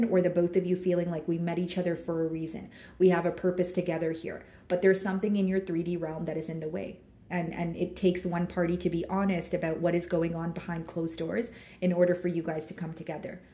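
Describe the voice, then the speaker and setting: A woman reads tarot in a relaxed, chatty way, filling pauses with likes and you knows as she turns each card. Her voice sits a little low and sounds mellow. The room gives it a noticeable echo. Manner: relaxed and chatty, many fillers, talking through cards as she draws them. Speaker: tarot reader. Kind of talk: casual tarot reading to camera.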